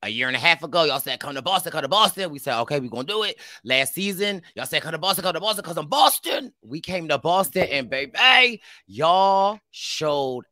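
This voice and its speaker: A man hosting a casual podcast chat, playful and quick to laugh, his voice a bit raspy this week. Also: fairly high pitch. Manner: lively, laughing, playful teasing. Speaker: podcast host.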